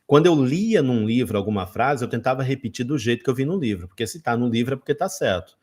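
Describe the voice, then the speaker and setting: A man's voice: mid-range voice, expressive, fast, darkish tone. A man from Brazil giving a casual spoken English lesson, talking straight to viewers and acting out his own learner mistakes. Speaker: English teacher.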